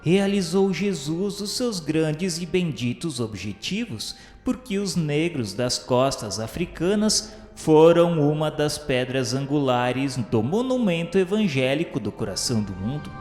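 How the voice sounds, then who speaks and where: A man with a Brazilian accent reading a solemn radio drama narration in a measured, grandiloquent way. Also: fairly high pitch, expressive, a little mellow. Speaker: narrator of a religious radio novela. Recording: reverberant hall echo, music underneath. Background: background music.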